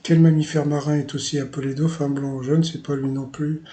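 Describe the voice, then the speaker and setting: A man's voice: a little high, little pitch movement, brisk, warm tone. A man from Paris, hosting his own channel, casually recapping a TV quiz show in a chatty, rambling way full of filler words and amused asides. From Paris, France. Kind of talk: casual spoken recap commentary.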